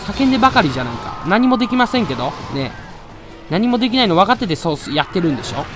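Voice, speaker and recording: A man giving excitable live gameplay commentary, loudly taunting and grumbling at the monster he is fighting. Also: sits high, rapid-fire. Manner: excitable, trash-talks the monster with rough taunts. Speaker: let's play commentator. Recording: loud game music behind voice. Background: game music.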